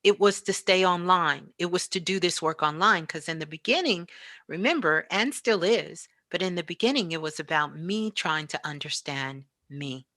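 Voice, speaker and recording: Bright-voiced middle-aged woman, close dry sound. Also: on the low side, normal speed, dry recording. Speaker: guest, online radio show host. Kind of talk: casual spiritual interview talk.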